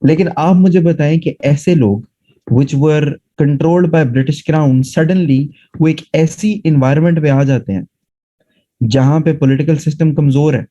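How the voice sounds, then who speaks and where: Man lecturing, dark lo-fi sound. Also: fairly high pitch, slow. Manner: explanatory, asks students rhetorical check questions. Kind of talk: classroom lecture mixing Urdu and English.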